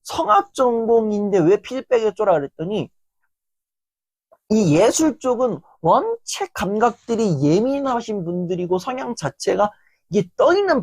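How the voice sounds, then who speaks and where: A woman giving a motivational lecture in a lively, animated way, often acting out quotes. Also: mid-range voice, dry recording. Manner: animated, acts out quoted lines.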